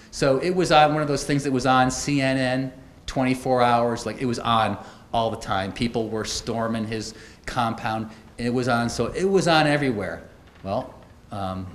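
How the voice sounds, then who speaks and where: A middle-aged man giving a conference keynote at a podium, telling stories in a conversational way with wry asides. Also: mid-range voice. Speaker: keynote speaker. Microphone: podium microphones. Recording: echoey auditorium, faint noise.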